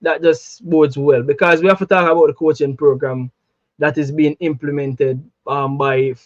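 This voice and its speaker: A Jamaican man chatting casually about football, animated, slipping into patois. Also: on the high side, moderate pace, dry recording, dull audio. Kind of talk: casual chat.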